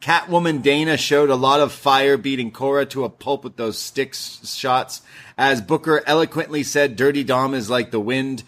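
A man's voice: mid-range voice, moderate pace, a bit bright. A man in his thirties co-hosting a podcast, casually reading listener messages aloud and laughing easily. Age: 30s. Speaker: podcast co-host.

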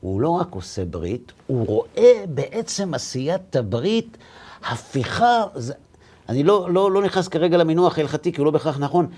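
A man, a rabbi and lecturer, telling stories in a conversation and acting out the dialogue with lively voices. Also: fairly high pitch. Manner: animated, acts out dialogue. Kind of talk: storytelling in a conversation.

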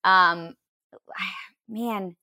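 A woman's voice: medium pitch, steady tone, drawn-out words, sharp tone. A woman in casual conversation, talking reflectively and thoughtfully with many fillers and restarts. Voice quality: voice that gets lost. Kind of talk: casual chat.

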